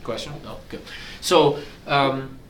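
Guy trainer going over software in a classroom, kinda hoarse, echoey far-off mic. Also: medium pitch, slow pace. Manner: explanatory, casual, self-deprecating. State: losing his voice, throat-clearing. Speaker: real estate agent trainer. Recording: echoey room from far off, faint hiss.

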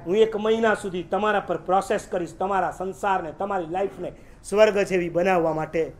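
A man with a strikingly high, steady voice preaches briskly in the manner of a Jain preacher. He shifts between wry jokes and recitations of verses and poetry.

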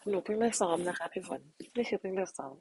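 A young woman chatting casually with fans on a live stream, reading their comments and sometimes slipping into soft whispers. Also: mid-range voice, animated, racing, breathy edge. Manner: playful, reads comments aloud, drops to soft whispers.

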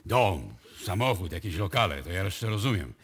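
Husky, eager junior cop. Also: male voice, low voice, big pitch swings, full character voice. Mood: dutiful. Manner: halting, stumbling. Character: eager, bumbling junior policeman reporting to his boss. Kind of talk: live radio play acting.

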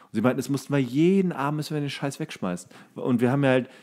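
A man's voice: mid-range voice, very fast, a little mellow. A man co-hosting a podcast, telling rambling anecdotes in casual, comedic chat and acting out quotes. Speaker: podcast co-host.

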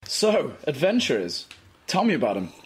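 An eager, socially awkward young spacewoman read by a man, lightly high in pitch and very animated. The delivery is blunt and curious, with some noise on the cartoon table-read recording. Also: normal speed. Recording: noisy informal room recording.

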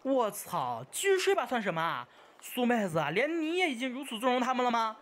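A woman's voice: a little high, big pitch swings, brisk, fairly bright tone, a little hiss or hum. A woman playing a talkative, hot-headed young man who boasts and exclaims in an audio drama. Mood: indignant. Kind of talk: fan audio drama dialogue.

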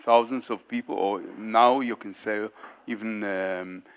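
A man's voice: on the low side, steady tone, clear, resonant tone. A man in his sixties speaking on a panel in a meeting hall, holding a handheld mic, with many fillers and restarts. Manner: halting, many fillers and restarts, gestures while talking. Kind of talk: unscripted panel remarks. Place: large indoor meeting hall, panel table.

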